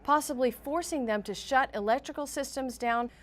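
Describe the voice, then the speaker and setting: A woman's voice: high voice, normal speed. American woman reading the news. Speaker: news reporter and anchor. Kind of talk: scripted news narration.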